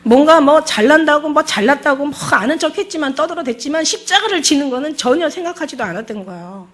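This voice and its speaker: A woman's voice: sits high, animated, quick pace. Fervent woman pastor giving testimony. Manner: fervent, emotional, repeats words. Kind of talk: testimony sermon.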